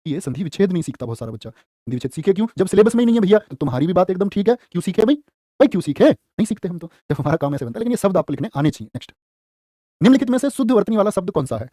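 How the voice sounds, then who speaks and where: A man teaching an online exam-prep lesson, energetic and playful, often calling his students "dear children". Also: high voice, very fast, no echo, clean studio sound.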